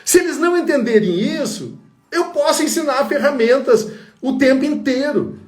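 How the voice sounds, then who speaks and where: Brazilian man, high voice, public speaking coach; roomy sound, soft music underneath. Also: moderate pace. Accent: Brazilian Portuguese. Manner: animated storytelling, acting out quotes. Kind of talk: motivational online lesson.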